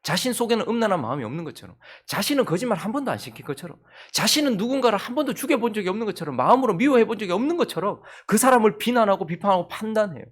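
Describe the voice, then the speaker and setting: A male pastor preaching an early-morning sermon. He swings between loud emphasis and hushed asides. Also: sits high, big pitch swings, rapid-fire, hardly any pauses.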